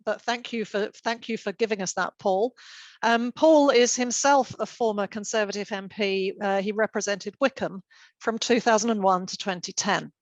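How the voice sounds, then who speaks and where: A woman's voice: mid-range voice, no room sound. Woman chairing a panel, dry sound. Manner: formal, orderly introductions. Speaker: event chair. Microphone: video call.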